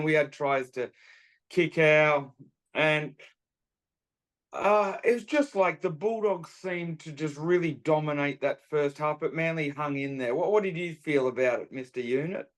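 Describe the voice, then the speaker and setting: A man's voice: on the high side, measured pace. An Australian man co-hosting a sports podcast, running through scores with enthusiastic, colourful phrasing. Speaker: podcast co-host. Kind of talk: casual sports chat.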